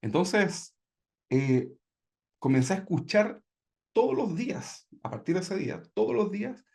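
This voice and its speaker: A man's voice: high voice, big pitch swings, a little slow, darkish tone. Man sharing a personal testimony. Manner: conversational, leans on tag questions. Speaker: church member giving testimony.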